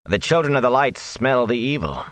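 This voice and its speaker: A man voicing a cold, menacing cloaked zealot who speaks softly and slowly. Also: mid-range voice, very animated, no room sound, pitched above the performer's own voice, lightly acted. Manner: soft, slow, cold and suspicious.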